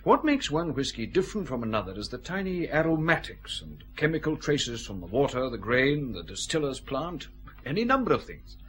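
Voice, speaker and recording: A lecturing customs officer. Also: male voice, medium pitch, big pitch swings, normal speed, fairly bright tone. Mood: explaining. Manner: patient, explanatory, lecturing. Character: precise male customs officer explaining lab analysis. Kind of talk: radio drama acting.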